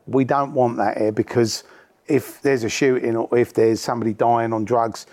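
A middle-aged man with a medium-pitched voice. He hosts a podcast, asking questions and reminiscing in a casual, conversational way. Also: flat delivery, moderate pace, a little mellow. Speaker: podcast host. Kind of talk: casual interview chat.

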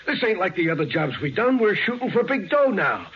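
A hot-tempered male gangland thug from 1940s radio drama. His voice sits fairly high and he talks in blunt slang. The sound is muffled, with faint noise. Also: very animated, fairly quick. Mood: impatient, aggressive. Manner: slangy, blunt tough-guy talk. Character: hot-tempered male gangster henchman, rough and impatient. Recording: muffled, noisy old radio recording.

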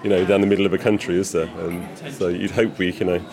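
Deep, fast-talking middle-aged man. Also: little pitch movement. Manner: opinionated, tag questions. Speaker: museum visitor, father. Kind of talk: casual interview answers. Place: busy museum gallery indoors. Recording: busy museum crowd behind.

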